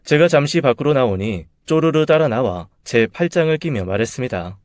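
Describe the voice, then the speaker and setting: A young man narrating his own story in a measured, bitter, confessional way. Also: medium pitch, expressive, a little mellow, dry recording, studio quality.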